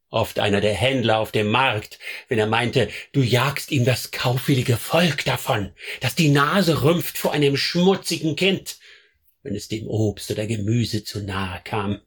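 A bitter medieval street survivor with a raspy, mid-pitched voice. He narrates hard memories wryly in scripted radio-play style. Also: a bit bright. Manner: wry, bitter. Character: bitter former street urchin recalling medieval beatings. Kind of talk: scripted first-person audio drama narration.

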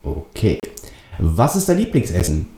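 A man's voice: low voice, wildly swooping pitch, a little slow, dark tone. A man co-hosting a casual podcast, hesitant with many fillers, reading quiz questions aloud. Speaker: podcast co-host. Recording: roomy, echoey sound.

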